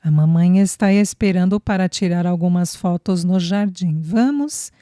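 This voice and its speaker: A woman's voice: fairly low pitch, normal speed, dark tone, no room sound, studio quality, close to an everyday voice. A woman voicing a nanny who scolds mildly and affectionately. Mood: fondly scolding.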